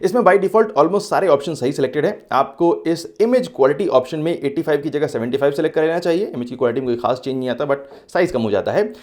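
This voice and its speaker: A man's voice: fairly high pitch, a little mellow. A man hosting a web tutorial, explaining step by step with everyday analogies and dropping English phrases into his Hindi. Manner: clear, instructive delivery with brief filler pauses. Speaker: tutorial host. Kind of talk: scripted screen-recorded tutorial.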